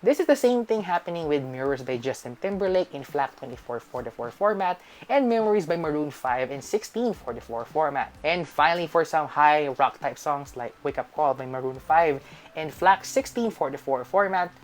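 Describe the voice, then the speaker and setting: A woman's voice: low-pitched, lively intonation, normal speed. A woman with a Filipino accent narrating a scripted tech review.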